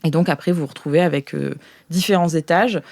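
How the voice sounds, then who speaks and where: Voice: mid-range voice, brisk, gravelly, darkish tone, dry recording. A game master improvising tabletop role-play narration in a casual, hesitant way, often searching for words.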